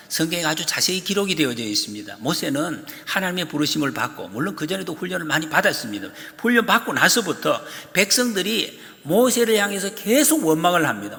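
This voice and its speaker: A male pastor preaching a sermon, telling stories with lively emphasis and acting out quoted prayers and complaints. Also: a little high. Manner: animated storytelling, acts out quoted prayers and complaints. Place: church sanctuary. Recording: long reverb of a church hall.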